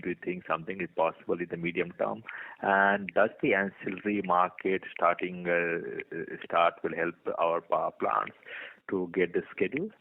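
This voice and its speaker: A man with an Indian accent, a financial analyst calling in with hesitant, repetitive questions on an earnings call. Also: deep voice. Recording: tinny phone line.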